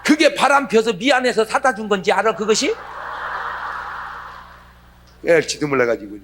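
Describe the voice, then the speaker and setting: Husky, animated male preacher. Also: high voice, fast, slight background noise. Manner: animated storytelling, acts out quoted voices with dialect. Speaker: pastor. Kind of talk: humorous revival sermon.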